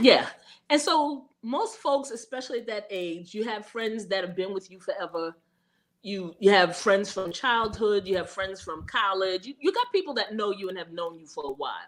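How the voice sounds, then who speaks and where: An ordinary speaking voice from a woman, medium in pitch, with lively intonation and big swings in loudness. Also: moderate pace. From New York, Brooklyn. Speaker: relationship coach. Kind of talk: interview.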